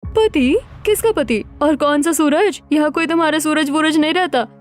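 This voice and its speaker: Cruel, mocking city woman in a cartoon, high and sneering, as a woman puts her on. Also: normal speed, natural voice. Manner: contemptuous, sneering. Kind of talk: cartoon story voice acting.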